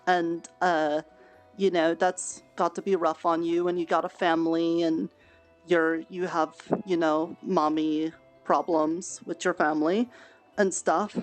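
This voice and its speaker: A woman speaking in character in a roleplay session, talking to a gathered town in a gentle, halting, earnest way. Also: fairly low pitch. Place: virtual world roleplay session.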